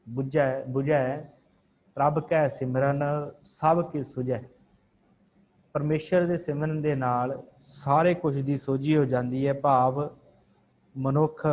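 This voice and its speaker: A man leads an online scripture class at a middle pitch, chanting each verse slowly before breaking it down in plain explanation. He drills pronunciation by repeating words several times. A faint hiss sits under the recording. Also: a little mellow, poor audio. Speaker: Sikh scripture teacher.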